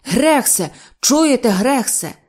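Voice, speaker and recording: A woman's voice: medium pitch, very animated, normal speed. A woman voicing a stern, brusque male zoo director who raises his voice. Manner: stern, shouting.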